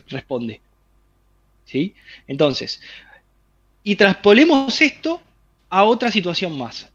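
A man speaks in a high, slightly bright voice, and the recording has its highs cut off. With a Rioplatense Spanish accent, he lays out a health theory in an interview, telling vivid everyday scenarios directly to the listener in an animated, explanatory way.

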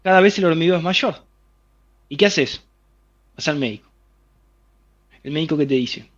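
A man's voice: fairly high pitch, moderate pace, highs cut off. A man with a Rioplatense Spanish accent, explaining a health theory in an interview through vivid everyday scenarios told straight to the listener. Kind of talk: animated explanatory interview talk.

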